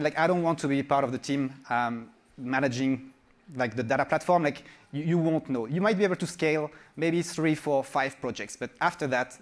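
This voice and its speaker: A man with a French accent delivers a conference presentation. His voice sits at an ordinary middle pitch. He speaks with frequent fillers and repeated words as he works through his points. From France. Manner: hesitant, frequent restarts and fillers.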